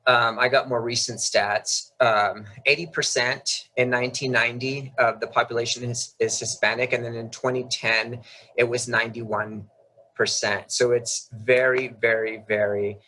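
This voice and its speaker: A man's voice: medium pitch, bright, forceful tone, low-quality recording. A man in his fifties from South Texas, a native Spanish speaker, giving an informal, explanatory presentation in a conversational, slightly hesitant manner. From South Texas, United States. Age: 50s. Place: video call while screen sharing.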